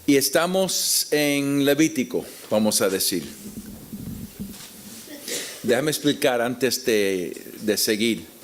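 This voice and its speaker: A man with a Puerto Rican Spanish accent teaching the Bible to an audience in a deliberate, explanatory way with rhetorical questions. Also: medium pitch, expressive, a little hiss or hum. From Puerto Rico. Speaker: preacher teaching at a conference.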